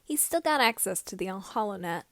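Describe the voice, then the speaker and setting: A woman's voice: mid-range voice, expressive, normal speed, a bit bright, no echo, voice pushed down. A woman voicing a wry, cheerful young man giving chatty, self-deprecating video updates in a story reading. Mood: chatty, upbeat.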